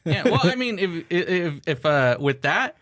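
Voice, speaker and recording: A man in his early forties with a bright, slightly high voice. He tells stories in a loose, chatty way and laughs often. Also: measured pace. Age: 40s. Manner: laughs often, animated storytelling. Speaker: podcast guest. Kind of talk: casual chat.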